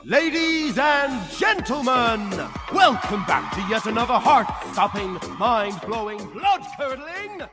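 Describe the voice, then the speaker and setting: Bombastic high-pitched show announcer. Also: male voice, very animated, full character voice. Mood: gleeful hype. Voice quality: slurred diction. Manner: showy, drawn-out, shouted build-ups. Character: bombastic male announcer of a lurid death-race show. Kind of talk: DIY character demo reel acting. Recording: voice swamped by loud music.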